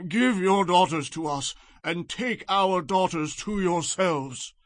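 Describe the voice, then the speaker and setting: Measured tribal elder, higher-voiced. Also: male voice, dry recording. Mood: courteous, persuasive. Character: Hamor, measured tribal elder negotiating for his family. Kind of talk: dramatized scripture reading.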